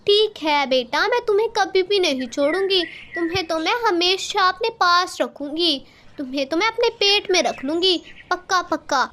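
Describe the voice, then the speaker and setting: A woman's voice: very high-pitched, animated, moderate pace, bright, forceful tone, heavily acted. A woman voicing a hungry, scheming female kite bird in a cartoon story, coaxing and sly.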